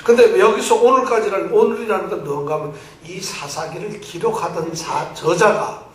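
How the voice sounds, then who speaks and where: A male pastor preaching an animated sermon, quizzing his congregation and repeating key phrases for them to answer. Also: high voice, moderate pace. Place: church sanctuary. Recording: echoey church hall from a distant mic.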